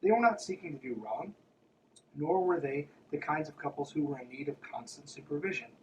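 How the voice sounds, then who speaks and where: A man's voice: a little high, brisk, a little mellow, distant mic, slight background noise, poor audio. A man hosting a podcast, reading aloud and breaking in with mocking, irreverent, conversational asides. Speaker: podcast host.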